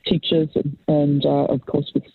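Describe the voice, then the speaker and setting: A woman's voice: sits low, flat delivery, moderate pace, gravelly, husky, no room sound. A woman whose first language is Italian, speaking as a company CEO on a webinar panel, eager and full of ums. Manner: eager, with frequent um and uh fillers. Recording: tinny phone-like line.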